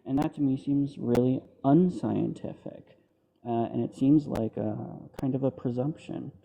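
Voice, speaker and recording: A man's voice: medium pitch, a little slow, vocal fry, warm tone, slight background noise. A man arguing his side in a live online debate, heard over a muffled phone or headset mic on a call, pressing his points with frequent ums and restarts. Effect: muffled remote call mic, sounds underwater. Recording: muffled, dull lo-fi call audio.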